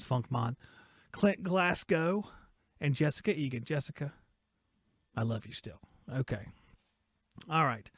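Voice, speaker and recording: A man's voice: on the high side, no echo, clean studio sound. Rambling, joking man in his forties. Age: 40s. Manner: rambling, joking, reads viewer chat aloud. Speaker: host of a live-streamed shop talk podcast. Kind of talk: casual live-stream chat.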